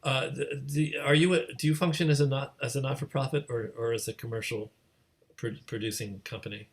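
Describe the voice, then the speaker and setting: A man's voice: mid-range voice, steady tone, a little fast. A man hosting a question session on a video call, casual in style, with a hesitant, meandering way of talking. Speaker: host, moderator.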